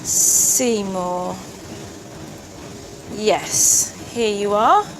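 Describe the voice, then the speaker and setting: A woman playing a polite, patient gym receptionist in a slow scripted lesson dialogue. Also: medium pitch, lively intonation, noisy background.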